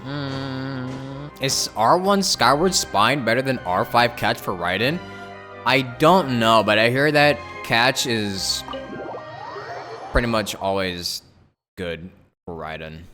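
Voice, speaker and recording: A man doing casual, slangy and expressive reaction commentary as a live game streamer. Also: mid-range voice, slow, faint music behind.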